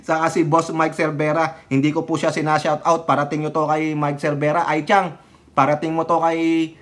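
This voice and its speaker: A man's voice: on the high side, flat delivery, moderate pace, a bit bright. A man vlogger delivering a political commentary rant, scolding and taunting, slipping into English and pressing with repeated questions. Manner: scolding, taunting, mixes in English, keeps asking "ha?" and "di ba?".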